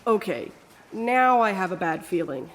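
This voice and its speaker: A woman's voice: mid-range voice, sing-song, a little slow, fairly bright tone. A woman playing a stubborn young courier in an audio drama, guarded and earnest. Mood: wary.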